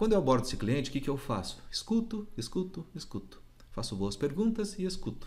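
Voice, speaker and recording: This man's fairly high voice carries vocal fry and very wide pitch swings at a fairly quick pace. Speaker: sales trainer and coach. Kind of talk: training review lecture. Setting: seated recording to camera. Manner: fast.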